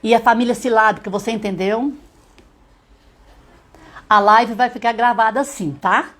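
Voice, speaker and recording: A woman's voice: a little high, steady tone, fairly bright tone. Middle-aged woman, literacy teacher, live-stream lesson, patient step-by-step explainer. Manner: sounds out letters slowly.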